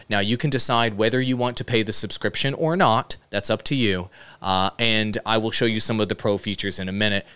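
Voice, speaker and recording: A man giving casual step-by-step software instruction into a close broadcast microphone. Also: fairly low pitch, clear, resonant tone. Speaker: software tutorial host. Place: indoor streaming room. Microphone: close dynamic broadcast microphone with headset monitoring.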